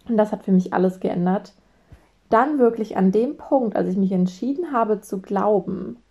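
A German woman in her late twenties talks as a business mentor in a reflective, personal way. Her voice is warm and mellow and sits in a middle register. She acts out her own anxious thoughts with sudden high exclamations. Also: lo-fi sound. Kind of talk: reflective solo talk.

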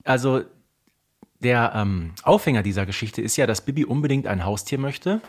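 A woman co-hosts a podcast in a casual, conversational style. Her voice has a husky, slightly rough edge to it. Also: very deep voice, moderate pace. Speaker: podcast co-host.

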